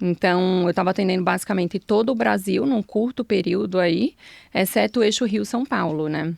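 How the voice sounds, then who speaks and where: With a Pernambuco accent, a woman with a medium pitch and vocal fry speaks at a moderate pace with lively intonation, her sound dry and close with no echo against a quiet background. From Brazil, Recife (Pernambuco). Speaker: former corporate marketing executive, entrepreneur. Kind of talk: interview conversation.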